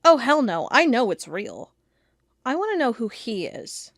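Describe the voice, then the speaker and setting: An actress playing an intense, stubborn investigator of strange creatures in an audio drama, with a dramatic, expressive delivery. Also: female voice, on the high side, unhurried, no room sound, studio quality. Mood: sardonic, insistent. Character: driven female cryptid investigator, sardonic, intense, stubborn. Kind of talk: audio drama narration and dialogue.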